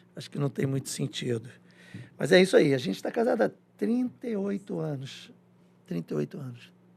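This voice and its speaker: A man with a fairly high, somewhat breathy voice talks at a fairly quick pace, his pitch swinging very widely and his loudness shifting a lot, with long, frequent pauses. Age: 60s. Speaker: social project founder. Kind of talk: podcast interview.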